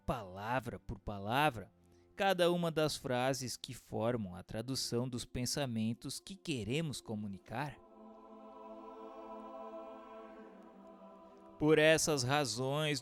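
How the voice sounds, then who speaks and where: A man plays a learned spirit lecturing patiently in a radio play. The Brazilian voice is solemn and eloquent, rising and falling widely on emphatic, deliberate phrases. Music plays underneath. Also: medium pitch. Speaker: voice actor in an audio book dramatization. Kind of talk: scripted radio drama monologue, didactic reading.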